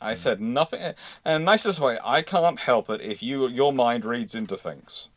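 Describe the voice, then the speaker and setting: A man's voice: mid-range voice, lively intonation, normal speed, fairly bright tone. A man hosting a casual live question-and-answer discussion, explaining things with playful asides. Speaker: host answering viewer questions.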